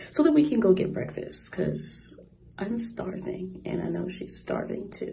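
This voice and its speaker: With light background noise behind her, a woman speaks at a moderate pace. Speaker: vlogger. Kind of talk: casual vlog chat. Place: home room. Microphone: phone near.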